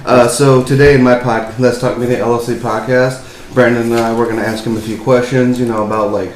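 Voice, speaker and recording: A man's voice: mid-range voice, flat delivery, fairly quick. A young man hosting his own podcast, talking casually and rambling with lots of fillers and apologies. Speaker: podcast host. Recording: echoey room, faint hiss.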